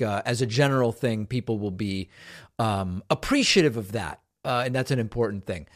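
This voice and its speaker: A man hosting a call-in talk show. His voice sits in an ordinary middle range, and he weighs his words aloud, often starting a sentence over. He speaks calmly and with measure. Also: mid-range voice. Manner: measured, thinks aloud with restarts. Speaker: host.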